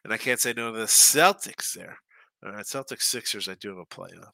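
A man's voice: lowish voice, a little fast, vocal fry, bright, forceful tone, dry recording, low-quality recording. A man hosting a live sports betting show, chatting loosely and reading viewer comments, with a congested, stuffy nose. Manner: chatty and loose, with frequent restarts and asides.

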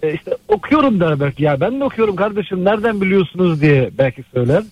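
A man's voice: high voice, lively intonation, fast talker, no echo, dull audio. A man calling in to a radio show over a landline phone, talking earnestly with many hesitant fillers. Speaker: radio call-in listener.

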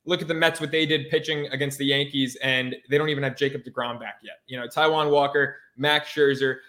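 A man's voice: mid-range voice, fairly even intonation, a little fast, bright, forceful tone. A man co-hosting a sports podcast in a casual, brash, slangy style with some swearing.

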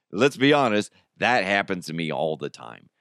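A man's voice: sits low, sing-song, unhurried, a bit bright, clear, resonant tone, no room sound. Casual American man hosting a podcast, dry sound. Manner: informal, slangy, conversational; chuckles through his own remarks. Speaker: podcast host. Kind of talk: casual solo comedy podcast chat.

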